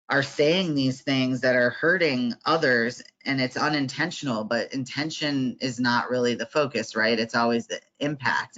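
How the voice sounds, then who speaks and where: Man, workshop facilitator, mid-pitched voice, conversational, fillers and tag questions, muffled call audio. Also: sharp tone. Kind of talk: online workshop presentation.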